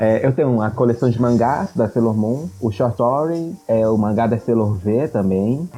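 With a dark, mellow tone, a man talks at a moderate pace, his medium pitch showing ordinary variation. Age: 30s. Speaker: comic book artist. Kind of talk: casual chat.

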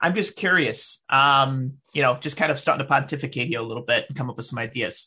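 Against a quiet background, a man talks at a very fast pace in a fairly high pitch. His tone is animated, bright, and sharp. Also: ordinary pitch variation. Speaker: tabletop RPG player on a stream. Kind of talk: casual banter and roleplay. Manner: animated, jokey.

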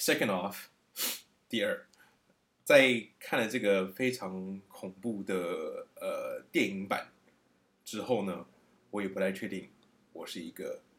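A man speaks at a very slow pace with big swings in loudness. He pauses often and at length. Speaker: podcast guest, friend of host. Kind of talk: casual chat.

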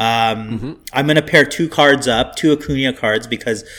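In a very clean recording with a silent background, a man with an unremarkable speaking voice talks at a moderate pace with fairly even intonation. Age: 40s. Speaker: podcast co-host. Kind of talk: casual chat.

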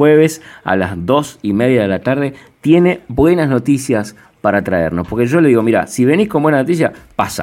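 In a Rioplatense accent, the voice moves at a moderate pace with lively intonation. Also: man. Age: old. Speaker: radio host. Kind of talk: casual chat. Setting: at home, remote.

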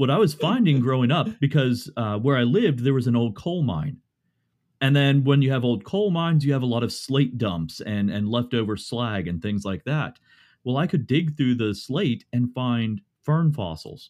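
With an American accent, a man talks in a normal speaking voice at medium pitch and a moderate pace, his intonation lively. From West Virginia, Morgantown. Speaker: podcaster. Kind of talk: casual chat.

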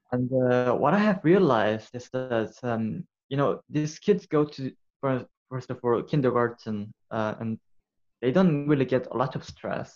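Speaking fairly slowly with a Korean accent, a man uses a medium pitch with ordinary variation. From South Korea. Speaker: university student. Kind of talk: casual interview. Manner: halting.

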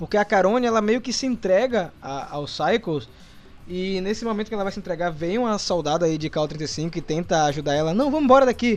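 Fairly quick speech with music playing in the background. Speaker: podcast co-host. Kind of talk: casual chat.

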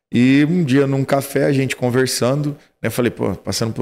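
This is a plain, everyday voice. A man of medium pitch speaks at a moderate pace. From Brazil, interior of São Paulo state. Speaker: leadership trainer. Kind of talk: interview conversation.

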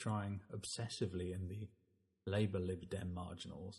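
A man's voice is fairly low in pitch, with a dark, mellow tone. It is somewhat breathy. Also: quiet background. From Somerset, England. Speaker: political podcast co-host. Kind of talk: casual political chat.

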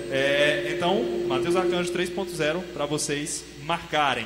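Amid noticeable background noise and audible room echo, a man speaks in a fairly high pitch with ordinary pitch variation. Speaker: podcast co-host. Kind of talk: casual chat. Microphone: too quiet.

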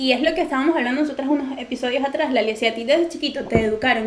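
A woman's voice shows ordinary pitch variation, heard through noticeable background noise. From Venezuela. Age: 20s. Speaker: podcast host. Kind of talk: casual chat.

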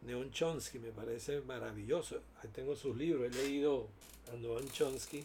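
A man talks at a fairly slow pace, his voice somewhat breathy. His tone is dark and mellow, with fairly even intonation. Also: medium pitch for a man. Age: 60s. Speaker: former finance minister and professor. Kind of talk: interview. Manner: hesitant, repeats words.

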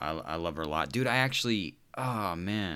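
On a very clean recording with a silent background, a man with an American accent speaks in a bright, sharp tone with very wide pitch swings. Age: 20s. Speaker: podcast host. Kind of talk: casual solo monologue. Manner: casual, profane and rambling, filler-heavy.

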